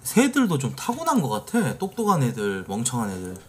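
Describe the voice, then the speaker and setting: A man's voice: medium pitch, wildly swooping pitch, brisk, soft background music. A man streaming casual reaction commentary, blunt and swearing freely as he reacts to clips and reads posts aloud.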